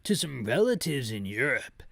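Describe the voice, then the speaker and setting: A man voicing an earnest, defensive action-game hero, reading the dialogue in a deliberate, emphatic way. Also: mid-range voice, big pitch swings, creaky, a bit bright, husky, dry recording, clean studio sound, exaggerated voice. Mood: explaining, defensive.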